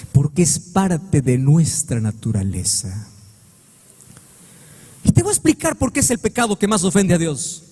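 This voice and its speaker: A man preaching a sermon as pastor, with impassioned delivery that swings from high sung cries to low, drawn-out words. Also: darkish tone, slightly rough. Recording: long reverb of a church hall.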